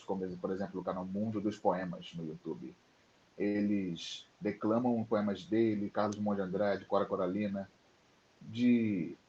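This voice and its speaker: A man's voice: on the low side, mellow, muffled recording, a little hiss or hum. A man with a Brazilian accent, a guest writer answering hesitantly in an interview. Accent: Brazilian Portuguese. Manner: hesitant, with restarts.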